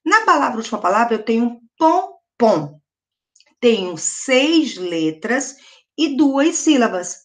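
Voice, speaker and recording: Brazilian woman, middle-aged, first-grade teacher on video, slightly high pitch, patient and slow on syllables. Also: sing-song, a bit bright. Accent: Brazilian Portuguese. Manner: slow, sounding out words syllable by syllable; patient, asks children questions and answers them. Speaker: primary school teacher.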